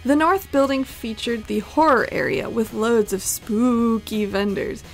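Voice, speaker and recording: Woman, vlog voice-over, chatty and playful, slightly high with vocal fry. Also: unhurried, faint music behind. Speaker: vlogger. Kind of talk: voice-over narration. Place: home voice-over recording.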